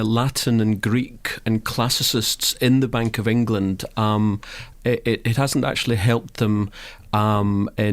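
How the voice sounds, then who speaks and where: A man with a Scottish accent speaks as a guest in a radio studio. He talks at a middle pitch, stopping often with ums and repeated starts as he thinks aloud. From Scotland. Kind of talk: casual radio discussion.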